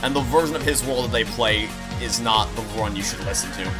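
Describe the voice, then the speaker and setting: A man's voice: lowish voice, brisk, loud music behind the voice. A man giving casual, rambling playthrough commentary as he chats to viewers, often repeating and restarting his phrases. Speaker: video game streamer and host. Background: video game song playing behind the voice.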